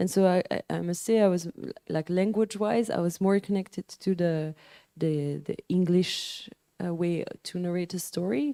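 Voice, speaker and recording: With a Belgian French accent, a woman speaks at a fairly low pitch in a dark, mellow tone, with ordinary pitch variation, a moderate pace and a dry, close sound with no echo. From Brussels, Belgium. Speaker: comics artist. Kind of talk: panel discussion.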